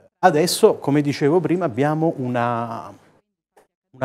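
The speaker is male. His voice rises and falls with ordinary pitch variation. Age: 30s. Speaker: director and journalist; journalist. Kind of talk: interview. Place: studio. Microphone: lapel.

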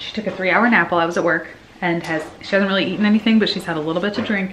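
Noticeable background noise runs behind a woman's voice. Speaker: parent vlogger. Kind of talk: casual vlog chat. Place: home room. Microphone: phone near.

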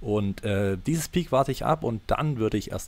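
On a very clean recording with a silent background, a man talks in an ordinary speaking voice at medium pitch with ordinary pitch variation. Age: 20s. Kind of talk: interview.

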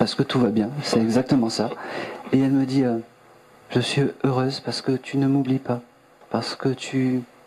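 A man with a medium pitch talks in a monotone, flat intonation at a moderate pace, with long, frequent pauses. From Nice, southern France; southern France. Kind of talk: live mediumship session before an audience. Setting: stage with audience. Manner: halting. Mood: warm, gentle. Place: meeting room. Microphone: handheld.

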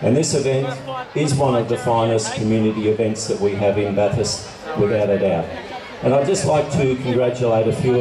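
Over noticeable background noise, a man speaks at a fairly quick pace with very even loudness and ordinary pitch variation. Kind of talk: public speech. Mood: warm, thankful. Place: stage.

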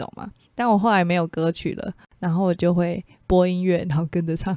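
A woman talks with a dark, mellow tone at medium pitch. The sound is dry and close, with no echo. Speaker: comedy podcast co-host. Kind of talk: casual chat. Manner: mumbling.

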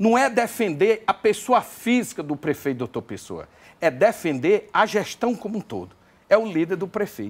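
Moving at a moderate pace, a man speaks at a high pitch with lively intonation. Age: 60s. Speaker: city councillor. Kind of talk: TV interview. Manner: animated. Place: studio. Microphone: lapel.

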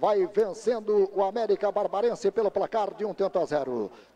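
The man's voice is high in pitch, with a dry, close sound and no echo. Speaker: football play-by-play announcer. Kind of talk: live commentary. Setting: radio broadcast at stadium. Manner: fast talker.

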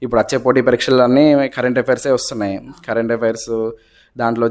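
With fairly even intonation, a man speaks in an unremarkable speaking voice. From Telangana, Adilabad district. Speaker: newly recruited government clerk. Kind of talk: radio interview. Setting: studio.

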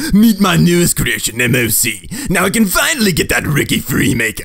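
A man speaks at a moderate pace in a put-on character voice, high-pitched with very wide swings in pitch. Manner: menacing.

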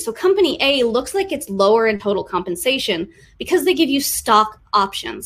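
Her high-pitched voice swings very widely up and down as the woman talks. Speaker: conference speaker. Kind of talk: conference talk. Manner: fast. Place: home room. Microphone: webcam.

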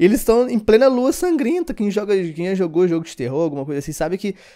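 A man's dark, mellow tone with lively intonation at a fairly quick pace, over a quiet background. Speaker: gaming YouTuber. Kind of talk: reaction video commentary. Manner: animated. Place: home room. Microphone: studio mic.

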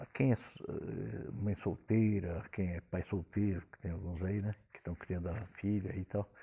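Fairly low in pitch and somewhat breathy, a man talks at a fairly slow pace with fairly even intonation. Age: 60s. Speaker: pastor. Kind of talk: recorded teaching talk to church parents; sermon-like seminar talk. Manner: casual, repetitive filler-heavy delivery. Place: home room. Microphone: microphone placed very close; phone near.

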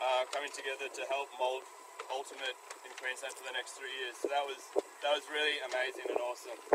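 Over loud background noise, a man talks fairly quickly, and the sound is dry with no echo. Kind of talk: annual report speech. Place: open country. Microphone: camera far.

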